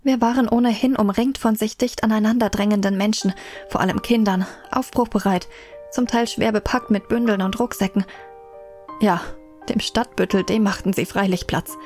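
A woman playing a reflective first-person narrator in a German radio play, telling a medieval tale in measured literary style. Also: medium pitch, fairly even intonation, a little mellow, lightly acted. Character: reflective female narrator recalling her medieval childhood. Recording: music behind the voice.

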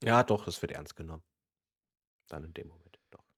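A man's voice: deep voice, fairly quick, fairly bright tone, no echo. A man co-hosting a casual podcast, giving dry, joking answers. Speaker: podcast co-host.

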